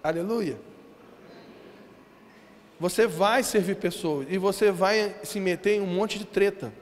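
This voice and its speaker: Animated Brazilian preacher in a reverberant hall. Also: male voice, high voice, a little slow, slight background noise. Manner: animated, slangy storytelling with acted-out quotes. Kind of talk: sermon with storytelling. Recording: reverberant hall with faint ambience.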